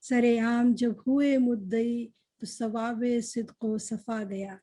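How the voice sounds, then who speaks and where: A woman reciting poetry at a literary gathering, measured and repeating her couplets. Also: fairly high pitch, steady tone, warm tone. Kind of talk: slow Urdu poetry recitation.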